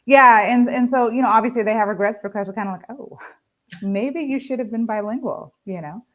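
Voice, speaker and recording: A woman's voice: fairly high pitch, brisk, fairly bright tone, highs cut off. A woman guest conductor in casual conversation, chatty and laughing often, full of fillers, over a video call. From United States.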